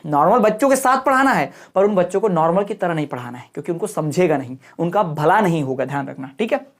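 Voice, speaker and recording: A male teacher giving an exam-prep lecture. He explains textbook points in plain talk, tags his lines with quick check-ins, and slows down to stress key terms. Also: high voice.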